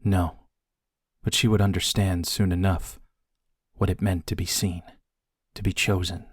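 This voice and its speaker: A man narrates an audiobook in a low, dry-sounding voice. His delivery is unhurried and hushed, with deliberate pauses for dramatic effect. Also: level tone, slightly rough, no echo.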